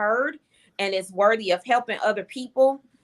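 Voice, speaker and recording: A woman's fairly high, bright, sharp voice. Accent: St. Louis. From US Midwest, St. Louis. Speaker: author and small business owner. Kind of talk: casual interview.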